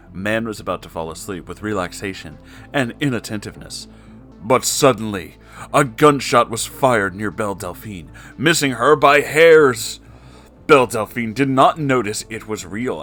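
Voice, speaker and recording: Low, bright-voiced man reading stories theatrically. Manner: theatrical, emphatic. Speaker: host and story reader. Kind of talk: comic dramatic story narration with amused asides.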